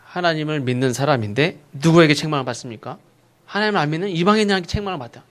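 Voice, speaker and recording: A male pastor preaching a sermon, asking rhetorical questions and acting out sharp rebukes. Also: on the high side, animated, racing. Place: church sanctuary.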